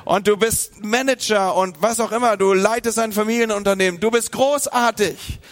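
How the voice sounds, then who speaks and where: Lively high-voiced preacher, a man. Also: normal speed, faint music behind. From northern Germany. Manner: lively, speaks to the listener directly, acts out inner voices. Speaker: pastor. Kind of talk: sermon.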